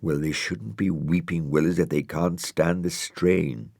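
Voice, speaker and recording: A man's voice: deep voice, steady tone, unhurried, vocal fry, darkish tone, no room sound, exaggerated voice. A man voicing a grumpy, vain and sardonic dog in a storybook reading, with a dry, grumbling delivery. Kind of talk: storybook character voice.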